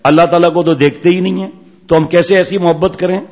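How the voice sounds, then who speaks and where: A man's voice: high voice, steady tone, a little mellow. A middle-aged man giving a religious sermon full of anecdotes, with humorous asides to his listeners. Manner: storytelling, jokey asides to listeners. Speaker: preacher. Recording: muffled audio in a reverberant hall.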